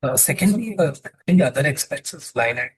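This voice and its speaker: A male analyst asking a polite, halting question on a conference call while his phone line keeps cutting in and out. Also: a little high, lively intonation, husky. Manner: polite, halting, with many fillers.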